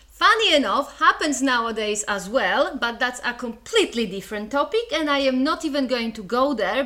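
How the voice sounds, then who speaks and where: A woman with a Polish accent hosts her own solo podcast, lecturing in a fairly high, bright, forceful voice. She explains ideas in a chatty, wry manner full of asides.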